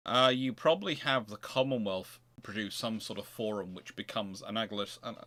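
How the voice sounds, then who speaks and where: A man's voice: fairly low pitch, a bit bright. A man hosting a history question show, thinking aloud in casual, rambling answers and repeating his phrases as he goes.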